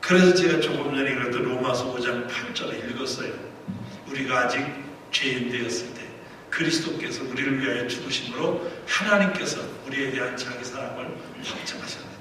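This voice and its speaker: A man's voice: mid-range voice, fairly quick, background noise. A middle-aged male pastor telling a story in a revival sermon, acting out the dialogue and drawing laughs. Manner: animated storyteller, acts out dialogue, draws laughs. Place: church sanctuary. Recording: far-off echoey church hall recording.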